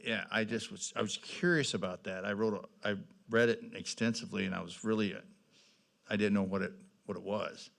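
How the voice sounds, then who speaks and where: Low, gravelly, plain-spoken councilman. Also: fairly even intonation, brisk, fairly bright tone. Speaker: city council member. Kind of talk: informal questioning at a meeting.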